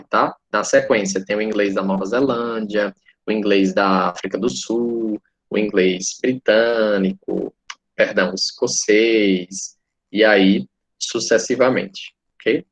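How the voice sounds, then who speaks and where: A man's voice: on the low side, breathy edge. A man teaching a lesson, explaining step by step and often checking in with his listeners. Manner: frequent tag questions, pointing at a screen. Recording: dull lo-fi sound.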